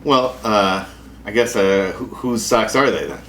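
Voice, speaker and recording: A man's voice: fairly low pitch, animated, a little slow, a bit bright. An American man hosting a comedy show with a casual, wry, self-deprecating and sarcastic monologue. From Wisconsin, United States. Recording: echoey room with clear background noise.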